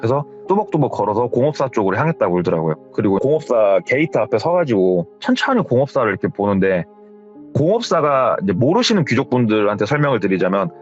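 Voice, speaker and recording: A male host narrating a listener's scary true story in a chatty retelling. His pitch moves a lot as he builds the tale. The recording is slightly dull, with faint music underneath. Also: fast talker. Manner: retelling with hearsay, lively delivery. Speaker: horror story radio host. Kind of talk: spoken horror storytelling.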